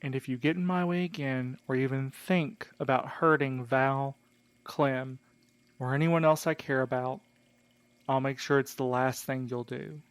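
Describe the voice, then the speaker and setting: A man's voice: mid-range voice, steady tone, a little slow, clear, resonant tone, no room sound, natural voice. A man playing a weary, protective and dryly sardonic character in a naturalistic audio drama. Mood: stern, threatening.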